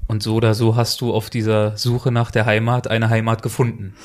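Ein Mann als Podcast-Moderator, der ruhig und gemessen seine Interviewfragen stellt. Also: male voice, on the low side, monotone, fairly quick, darkish tone. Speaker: podcast host. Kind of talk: interviewer questions.

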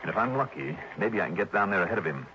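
Brief: a tough, wry investigator, low voice, brisk and insistent, old radio drama with hiss. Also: male voice, animated, bright, forceful tone, dull audio. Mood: determined. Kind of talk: 1960s radio drama acting.

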